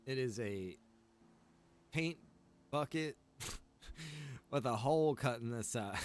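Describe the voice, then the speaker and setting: A man's voice: mid-range voice, lively intonation, slow pace. A man chatting casually while livestreaming a survival game, joking in a laid-back way and laughing often. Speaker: live streamer playing a survival roleplay game. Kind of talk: casual gaming livestream chat.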